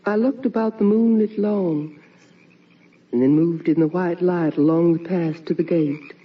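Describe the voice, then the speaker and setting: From a muffled old radio play comes the ghost of a wife and mother, full of longing and sorrow. The voice is low for a woman and drifts very slowly, hushed and theatrical, a little away from the microphone. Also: breathy edge. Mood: hushed, suspenseful. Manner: slow, hushed, theatrical delivery. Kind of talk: radio drama monologue. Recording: muffled old radio recording, distant mic.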